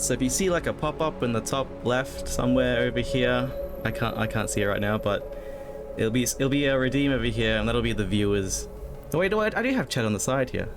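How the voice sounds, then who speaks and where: A man livestreaming a horror game, moving between casual chat with viewers and reading story text aloud, often halting and repeating words when he chats. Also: medium pitch. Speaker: livestreamer, host of a spooky game stream.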